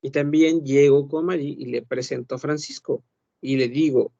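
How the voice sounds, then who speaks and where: A man's voice: mid-range voice, fairly even intonation, moderate pace, vocal fry, mellow, no room sound, muffled recording. A man teaching an online French class, explaining patiently with rhetorical questions and frequent self-corrections.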